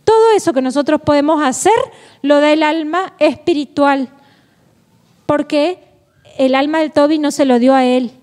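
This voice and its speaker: A woman's voice: sits high, moderate pace, darkish tone. A woman giving a Catholic formation lecture. She is playful, laughs often and asks rhetorical questions. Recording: echoey hall, long reverb.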